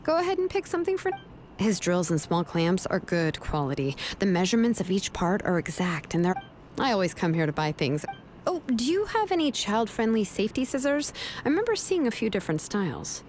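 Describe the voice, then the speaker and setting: Coaxing young craftswoman, woman voicing, lively voice, bit of noise behind. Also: mid-range voice, natural voice. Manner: brisk, coaxing.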